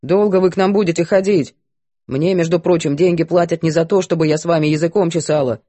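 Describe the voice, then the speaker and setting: A woman's voice: on the low side, steady tone, quick pace, warm tone, no echo, lightly acted. A woman doing a coarse snapping cook. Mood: grumbling. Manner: rude, snapping, scolding.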